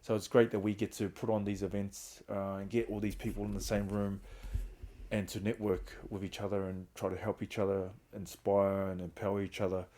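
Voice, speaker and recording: Telling his own story candidly on a podcast, a middle-aged man who founded a reintegration trust is earnest and open about hard times. His lowish, mellow voice holds a level tone at a slightly fast pace.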